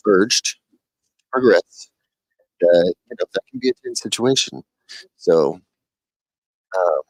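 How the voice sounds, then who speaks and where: A man's voice: low-pitched, dry recording, poor audio. A man chatting casually on a livestream as a panelist, joking and self-deprecating in a wry way. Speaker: TV shootout panelist. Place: TV viewing room.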